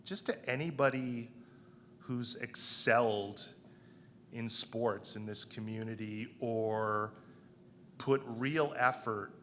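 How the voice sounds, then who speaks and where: A man giving an informal acceptance speech in a halting, humble manner. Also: mid-range voice, fairly even intonation, a bit bright, a little hiss or hum. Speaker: award recipient, sports writer.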